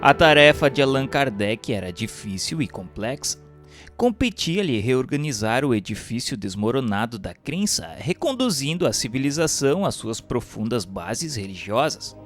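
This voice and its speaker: A man's voice: medium pitch, sing-song, moderate pace, fairly bright tone. A man with a Brazilian accent reading a scripted narration in a solemn, formal, declamatory way. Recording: music bed under the voice. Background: instrumental music.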